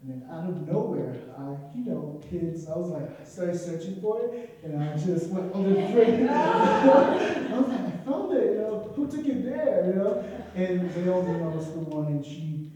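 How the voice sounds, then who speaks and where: A man's voice: high-pitched, lively intonation, normal speed, dark tone. A young man from Nigeria with a Nigerian accent, telling a personal story to an audience, earnest and emotional with asides. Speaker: student speaker. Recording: echoey room, distant from the mic.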